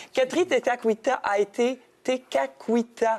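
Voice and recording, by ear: Against a quiet background, a woman puts on a hoarse, high character voice at a moderate pace.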